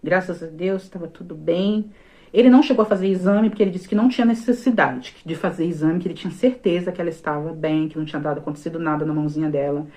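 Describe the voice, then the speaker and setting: A woman's voice: fairly low pitch, fast talker, dark tone. A Brazilian woman in her thirties telling an emotional faith testimony, often calling out to her listeners. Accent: Brazilian Portuguese. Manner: emotional storytelling, often calls on listeners directly. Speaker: speaker giving a personal testimony.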